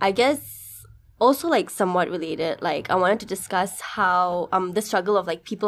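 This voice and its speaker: A woman with medium pitch and an unremarkable speaking voice, at a fairly quick pace, in a very clean recording with a silent background. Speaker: podcast co-host. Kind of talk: casual chat.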